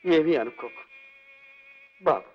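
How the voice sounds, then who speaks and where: A man's voice: fairly high pitch, animated, takes it slowly. An actor playing a broken, tearful old man, a fallen millionaire stricken with leprosy, in an old film melodrama. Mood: broken despair. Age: older. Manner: choked, grieving and self-pitying. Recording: dull old film soundtrack with faint music.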